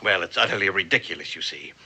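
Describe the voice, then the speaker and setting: An actor playing a genial, wise older male printer with a lively, lightly humorous manner in a television drama. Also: deep voice, fast talker, breathy edge, exaggerated voice. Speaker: Benjamin Franklin figure.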